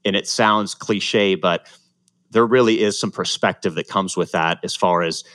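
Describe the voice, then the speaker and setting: A man's voice: deep voice, unhurried, fairly bright tone, dry recording, clean studio sound. A man, a former pro triathlete telling his story in a casual interview, earnest and reflective, often restarting his sentences. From Ohio, USA, born in Ecuador.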